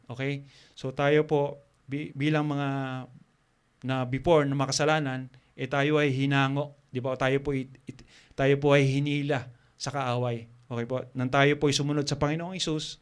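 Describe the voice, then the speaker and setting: A man preaching a sermon, halting with fillers and restarts, asking the congregation questions. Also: medium pitch, smooth.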